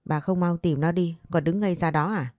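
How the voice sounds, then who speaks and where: A woman's voice: fairly low pitch, fairly quick, no room sound, studio quality, close to an everyday voice. A woman voicing a frightened older woman who nags and urges others to hurry. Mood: anxious. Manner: anxious and sharp-tongued.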